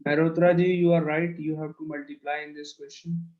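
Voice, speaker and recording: South Asian man teaching, high-pitched, muffled audio. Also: flat delivery, brisk. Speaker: maths teacher. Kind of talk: online class teaching. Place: online class call. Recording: dull lo-fi online call audio.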